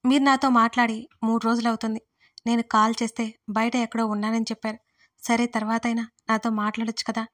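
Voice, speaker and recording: A woman's voice: a little high, level tone, quick pace, close to an everyday voice. Woman reading as a hurt, demanding young daughter. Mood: reproachful. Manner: reproachful, emotional. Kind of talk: audiobook role reading.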